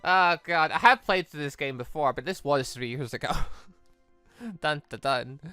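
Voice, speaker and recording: A let's player narrating a visual novel with animated, casual commentary, reacting out loud and slipping into character voices. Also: medium pitch, measured pace, smooth, no echo, faint music behind. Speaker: video game let's player.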